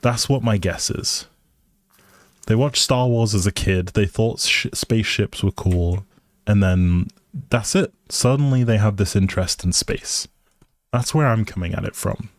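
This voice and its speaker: A man's voice: on the low side, unhurried, no room sound, studio quality. A man hosting a casual gaming livestream, talking politely and appreciatively to his viewers. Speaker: livestream host. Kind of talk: casual livestream chat while playing a life simulation game. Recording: music behind the voice. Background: music.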